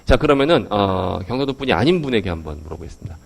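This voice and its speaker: A man's voice: lowish voice, sing-song, racing, vocal fry. A man giving a lecture to a live audience, speaking into a handheld microphone in a hall and putting questions to the crowd. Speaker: English education lecturer.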